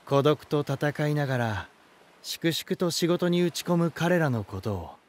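A man's voice: a little high, lively intonation. An actor voicing a genial, elegant male lighthouse spirit in a voice drama, telling stories in a theatrical manner. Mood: wistful. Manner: smooth-mannered, theatrical, unhurried storytelling. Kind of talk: Japanese voice drama acting.

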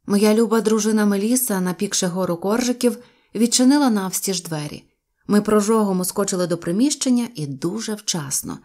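A woman narrating a children's story aloud with a lively, expressive reading. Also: mid-range voice, brisk. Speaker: audiobook narrator.

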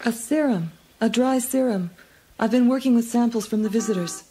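A woman's voice: fairly high pitch, moderate pace, warm tone, a little hiss or hum, natural voice. A woman voicing an earnest young woman scientist in a read-along story, speaking urgently and insistently.

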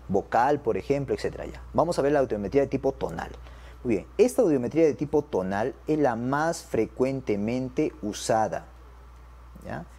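A man's voice: medium pitch, warm tone, husky. A man giving an exam-prep medical lecture to doctors. He keeps checking in with his listeners and addresses them as doctors.

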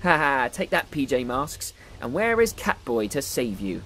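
A woman's voice: extremely low pitch, big pitch swings, a bit bright, voice pushed down, exaggerated voice. A woman voicing a smug, scheming boy mad scientist who gloats and boasts in a children's toy story. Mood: gloating. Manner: gloating, boastful, drawn-out cackles. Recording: music behind the voice.

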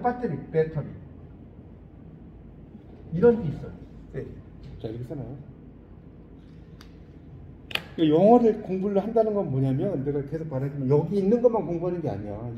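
A man teaching an English class, quizzing his students and reading English phrases slowly and deliberately. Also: fairly high pitch, reverberant, muffled recording, a little hiss or hum. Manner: lively, quizzing students with questions.

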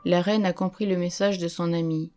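A woman reading an audiobook as narrator, in a measured, solemn storytelling manner. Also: fairly low pitch, steady tone, warm tone, soft background music. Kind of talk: scripted narration.

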